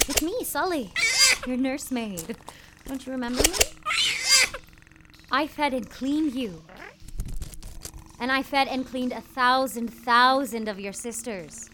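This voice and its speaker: An actress playing a soft-spoken, sweetly menacing woman scientist who once nursed ants. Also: sits high, slow, pauses often, noisy background. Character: woman scientist, former ant nursemaid, sly and vengeful.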